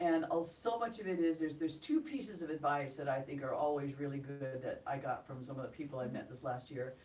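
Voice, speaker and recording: At a moderate pace, a woman with a very deep, low pitch and ordinary pitch variation speaks over noticeable background noise, with audible room echo. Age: 60s. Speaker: songwriter and singer. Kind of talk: interview.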